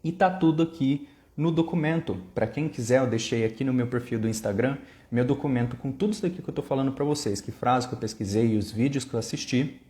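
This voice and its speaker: A man's voice: medium pitch, a little fast, few pauses, mellow. Chatty Brazilian man in an echoey room. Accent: Brazilian Portuguese. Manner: chatty, explains step by step with examples. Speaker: language-learning vlogger. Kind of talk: casual explanatory vlog.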